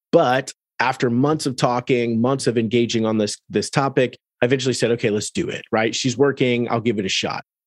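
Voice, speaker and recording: In an ordinary speaking voice with an American accent, a man talks at a moderate pace and medium pitch with ordinary pitch variation, the sound dry and close with no echo. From Virginia, US. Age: 30s. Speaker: real estate team leader. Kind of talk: casual interview chat.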